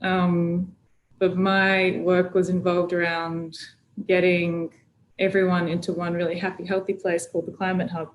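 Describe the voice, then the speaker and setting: Woman activist, lower voice, casual storyteller on a video call, light background hum. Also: a little slow, rough recording. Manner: relaxed, chatty storytelling with frequent fillers. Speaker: climate activist guest.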